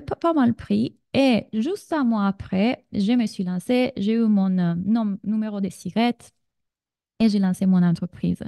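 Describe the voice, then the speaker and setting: A Sardinian woman in her thirties, working as a business coach, runs a live masterclass in French with an Italian accent. Her mid-range voice is soft, warm, and creaky, and she chats directly with her listeners. The audio is dry, with no room sound.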